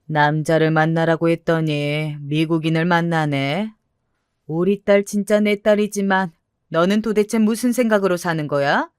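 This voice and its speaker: A woman's voice: fairly low pitch, smooth, dry recording, studio quality, natural voice. A woman voicing an exasperated middle-aged mother who scolds and sighs. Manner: scolding, sighing, exclaiming.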